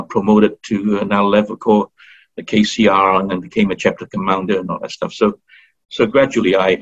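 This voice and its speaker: A man's voice: fairly low pitch, husky. A man with an Australian accent, talking hesitantly as an interview guest with many fillers and restarts. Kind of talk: casual interview talk. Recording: dull lo-fi recording.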